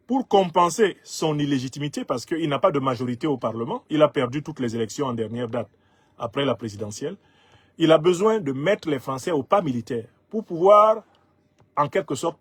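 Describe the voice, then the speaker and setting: Husky Cameroonian man in his fifties. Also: a little high, no echo. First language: Bassa. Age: 50s. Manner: emphatic, rhetorical, laughs at his own jokes. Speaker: commentator reading viewer comments. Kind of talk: commentary on social media comments.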